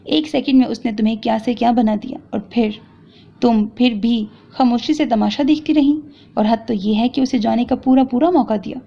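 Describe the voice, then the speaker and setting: A woman's voice: fairly high pitch, gravelly. Woman voicing an angry young husband. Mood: angry, accusing. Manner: harsh, accusing, lecturing. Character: angry young man berating his wife. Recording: dull lo-fi recording.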